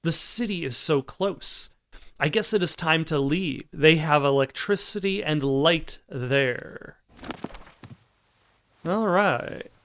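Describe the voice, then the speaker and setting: A man playing a video game who reads its text aloud in a plain, measured way, with casual asides. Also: a little high, fairly bright tone, slight background noise. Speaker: let's play host.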